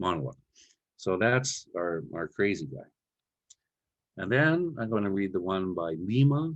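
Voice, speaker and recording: A man with a Saskatchewan accent, fairly low pitch with very wide swings, a fairly slow pace and long, frequent pauses. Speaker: playwright and author. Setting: online book launch. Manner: casual, conversational.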